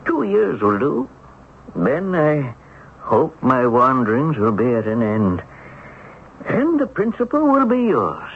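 An actor playing a kindly, folksy old ghost in a radio drama, reassuring and unhurried. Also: male voice, mid-range voice, huge pitch swings, heavily acted. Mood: patient, reassuring. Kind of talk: 1970s radio drama acting. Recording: phone-like band, noisy old radio recording.

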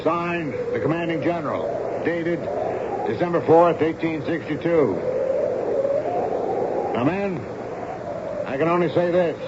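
A man plays a stern army major with a fairly high voice, formal and measured. It is old radio drama, muffled and clearly noisy. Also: lightly acted. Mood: stern, official. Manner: measured, official, authoritative.

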